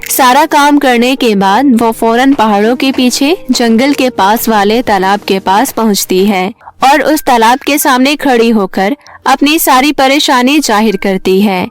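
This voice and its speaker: A woman's voice: a little high, unhurried, soft background music. A woman narrator reading a scripted children's story.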